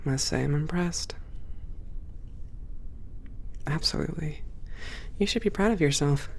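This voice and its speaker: A creaky, gravel-edged voice carries this friendly female spaceport supervisor, acted out for an ASMR roleplay. She is composed and professional, talking a new hire through things in a measured, welcoming way. The pitch sits in an ordinary middle range. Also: lightly acted. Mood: impressed, encouraging. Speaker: audio roleplay performer. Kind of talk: ASMR roleplay, one-sided conversation.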